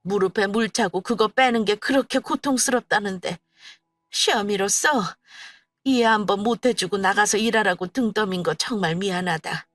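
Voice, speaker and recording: A woman's voice: mid-range voice, moderate pace, fairly bright tone, no echo, studio quality, soft background music, lightly acted. A woman voicing a stubborn, self-pitying older mother-in-law who whines and scolds. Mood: pleading. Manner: whiny, scolding, later pleading.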